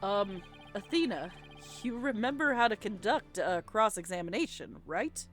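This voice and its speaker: Woman reading as a calm, kindly male lawyer. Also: mid-range voice, moderate pace, faint music behind, natural voice. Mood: coaxing.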